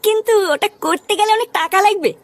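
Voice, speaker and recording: Very high, rapid-fire whiny cartoon youth. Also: no room sound. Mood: eager, pushy. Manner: whiny, complaining, slangy. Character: hot-tempered village youth, foul-mouthed, scheming, aggrieved. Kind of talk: comic cartoon dialogue.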